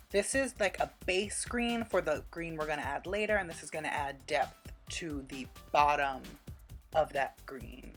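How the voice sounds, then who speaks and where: A woman with a fairly low voice talks through a makeup tutorial over clearly audible music. She is casual and chatty, keeping her delivery informal with a playful, quirky streak. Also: a bit bright.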